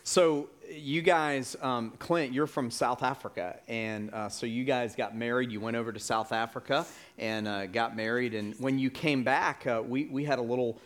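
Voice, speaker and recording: A man's voice: medium pitch, moderate pace, few pauses, fairly bright tone. Man pastor interviewing a couple. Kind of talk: conversational interview.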